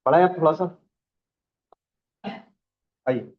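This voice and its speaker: A man teaches a programming class. He questions the students often and repeats each point slowly. The recording sounds dull and lo-fi. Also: on the high side.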